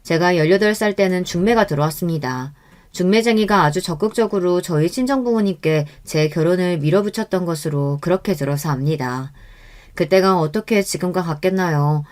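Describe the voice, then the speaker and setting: A woman narrating a first-person life story in a calm, even scripted telling. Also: lowish voice, fairly quick.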